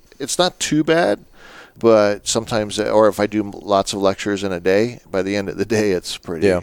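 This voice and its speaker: This is a man with a normal speaking voice, an American accent and a fairly low pitch. He talks fairly quickly with ordinary pitch variation, in a dry, close sound with no echo. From Wisconsin. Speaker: nurse anesthetist and lecturer. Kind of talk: casual interview. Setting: conference venue.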